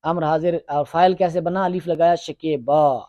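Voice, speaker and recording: A male teacher giving a classroom grammar lesson, drilling his students with quick questions and repetitions. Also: a little high, fairly even intonation, mellow, no echo, lo-fi sound.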